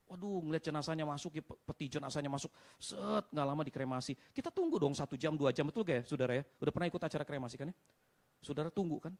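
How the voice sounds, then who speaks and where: A man preaching a sermon as pastor, telling personal stories and addressing the congregation over and over, dropping to a hush and then rising to shouts. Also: a little high. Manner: addresses the congregation as "saudara" constantly, swings from quiet to shouting.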